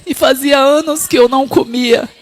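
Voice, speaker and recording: A woman preaching a sermon, telling her own testimony quietly and then rising to fervent, shouted exhortation. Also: sits high, fairly even intonation, moderate pace.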